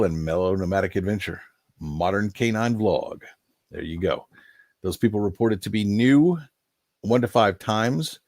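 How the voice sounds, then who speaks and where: An older man with a fairly low voice hosts a casual live stream, sounding a little nasal due to allergies. He reads viewers' names between folksy, rambling remarks and chuckling asides. Clean studio sound, no echo.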